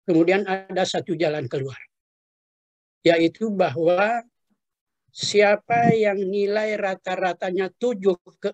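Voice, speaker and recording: An older man, a retired professor, telling his life story in an unhurried interview, with fillers and trailing asides. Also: high-pitched, no echo.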